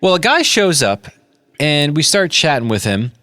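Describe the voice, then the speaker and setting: A man's voice: a little high, very animated, normal speed, bright, forceful tone, no echo, clean studio sound. A man hosting a radio show, telling a story casually and animatedly, laughing often. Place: radio studio.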